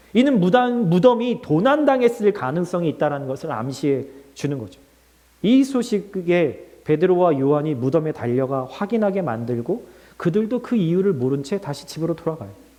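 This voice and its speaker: The man's voice is high in pitch yet dark and mellow in tone. His pitch swings very widely at a moderate pace. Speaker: pastor. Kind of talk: sermon.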